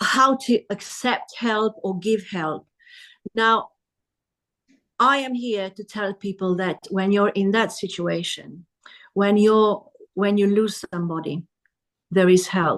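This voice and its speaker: A woman with a slight Romanian accent speaks at a very slow pace, with long, frequent pauses. Her pitch is medium, with ordinary variation. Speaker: widow and grief coach. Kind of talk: interview. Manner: halting.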